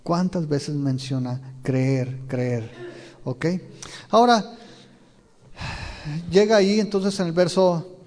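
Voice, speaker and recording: A pastor from Mexico teaches a verse-by-verse Bible sermon, often putting questions to his listeners and retelling the scenes vividly. His warm voice is a little high and slow, with long pauses, and a large hall gives the recording a long reverb.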